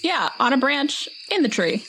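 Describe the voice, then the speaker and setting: A woman's voice: sits high, very animated, moderate pace, sharp tone, faint music behind, poor audio. A woman playing a tabletop role-playing game, casually improvising a description of her character.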